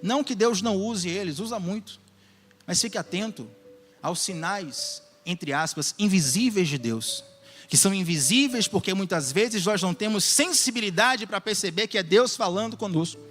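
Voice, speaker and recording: A man with a Bahian Brazilian accent preaching a sermon, animated, with joking asides and acted-out dialogue. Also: high voice, normal speed, in a large hall, faint music behind. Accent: Bahian Brazilian Portuguese.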